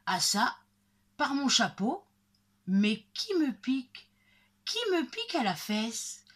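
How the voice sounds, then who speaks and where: A blustering, vengeful giant of a woodcutter from a children's story, performed by a woman. The delivery is bellowed and exclamatory, with a rough, husky edge and big swoops in pitch. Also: big pitch swings, slow pace, full character voice. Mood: startled outrage.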